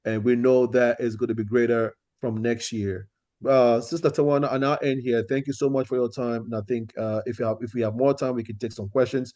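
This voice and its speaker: A man's voice: mid-range voice, level tone, fairly quick, darkish tone. A man hosting an organization meeting, speaking earnestly and often restarting his sentences. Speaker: host of the meeting.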